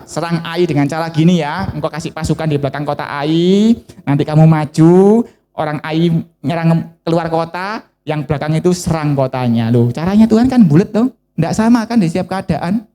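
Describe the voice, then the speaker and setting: A preacher, giving a lively storytelling sermon. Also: medium pitch, slight background noise. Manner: animated storytelling with mixed local words.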